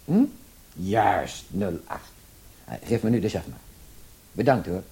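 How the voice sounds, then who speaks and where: Excitable bumbling policeman, wildly swooping delivery. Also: deep voice, slow pace, exaggerated voice. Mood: fussy, impatient. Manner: rambling, stammering, deferential, then bossy. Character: bumbling, excitable, self-important male policeman, number zero-eight. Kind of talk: Dutch radio play acting.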